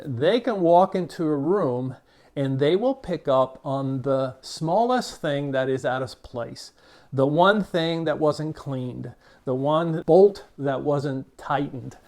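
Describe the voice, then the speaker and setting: Born in Cuba and raised in Miami, an older man with a Cuban-American accent hosts a channel as a behavior expert, giving a reflective talk to camera. His medium-pitched, slightly mellow voice moves in a measured, unhurried way, with many "uh" fillers and small restarts.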